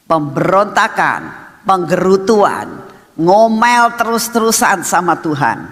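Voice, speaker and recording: A woman's voice: mid-range voice, lively intonation, slow, in a large hall. An older woman preaching a sermon, telling a family story and addressing her listeners as brothers and sisters. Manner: storytelling, acting out family dialogue.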